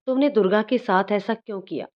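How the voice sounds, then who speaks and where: A woman voicing an angry grown man who shouts harsh commands, read as a storybook role. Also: medium pitch, brisk, lightly acted. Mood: furious. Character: angry grown man, husband turned furious. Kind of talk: storybook reading. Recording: dull lo-fi recording.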